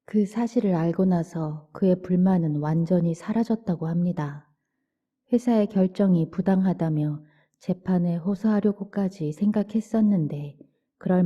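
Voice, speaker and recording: Soft-spoken woman reading a bedtime book. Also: on the low side. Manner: soft, slow and gentle, sometimes near a whisper. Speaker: audiobook narrator. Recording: dull lo-fi audio.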